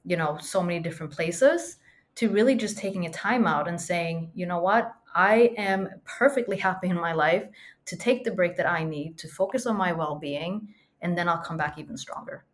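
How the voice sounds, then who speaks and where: Reflective Swedish-born woman, slightly low voice. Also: moderate pace. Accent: Swedish, mostly American-sounding. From Sweden. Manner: earnest, reflective, emphatic repetitions. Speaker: podcaster guest. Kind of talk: conversational interview.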